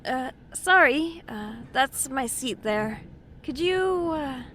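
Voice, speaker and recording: A young woman with a high voice and a slow overall pace. She is independent yet easily flustered, delivered naturally, as in a modern audio drama. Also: expressive, a bit bright, a little hiss or hum, full character voice. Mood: flustered, apologetic. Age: young adult.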